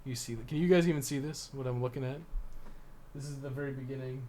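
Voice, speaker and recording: A man's voice: medium pitch, fast talker, dark tone, slight background noise. A man chatting casually to his viewers as a game streamer, informal and freely swearing. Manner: informal, foul-mouthed. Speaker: video game live streamer. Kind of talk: casual livestream chat with viewers.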